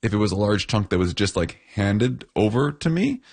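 A man's voice: on the low side, big pitch swings, moderate pace, darkish tone, slightly rough. A man co-hosting a conversation, talking candidly and with self-deprecating honesty. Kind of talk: conversational commentary. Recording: music underneath.

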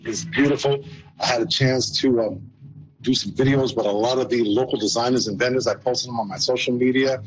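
A man's voice: mid-range voice, fairly even intonation, brisk, low-quality recording. A man working as a music columnist, reporting live and chatting upbeat with guests from a small shelter at an outdoor festival. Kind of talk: live radio field interview. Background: live music from a nearby stage.

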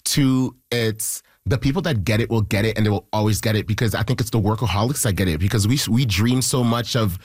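A man from Haiti, a musician guest, telling stories in an excitable, animated way and jumping into high quoted voices. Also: brisk, few pauses, slightly rough, no room sound, clean studio sound. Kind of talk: casual interview storytelling.

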